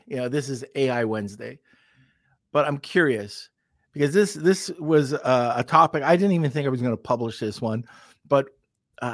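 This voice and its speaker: A man hosting a business podcast in a lively, chatty way, introducing guests and reading sponsor spots. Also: medium pitch, no room sound, studio quality. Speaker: podcast host. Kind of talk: podcast interview.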